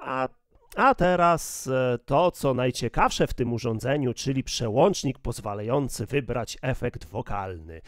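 A man's voice: mid-range voice, expressive, no echo, clean studio sound. A man demonstrating and reviewing a piece of gear in a casual, explanatory way. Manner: explanatory, measured. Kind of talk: casual product demo.

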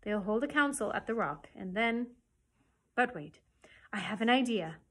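A woman voicing a wise, protective male black panther from a storybook, speaking gently and earnestly with emphasis. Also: a little high, lively intonation, moderate pace. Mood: earnest, warning.

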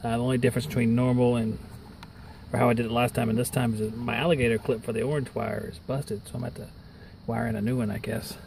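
A man's voice: medium pitch, level tone, quick pace, vocal fry, a little mellow, low-quality recording. A young adult man working as an HVAC technician, explaining matter-of-factly as he works outdoors beside a unit. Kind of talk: on-the-job how-to narration. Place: outdoors beside a rooftop-style AC unit in a yard. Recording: outdoor camera audio with machine noise.

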